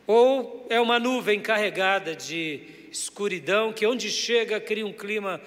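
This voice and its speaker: A man's voice: high-pitched, a little slow, a bit bright. A male pastor preaching a sermon to his congregation, emphatic, drawing out key words and putting questions to the listeners. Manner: addresses congregation directly with questions. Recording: church hall reverb.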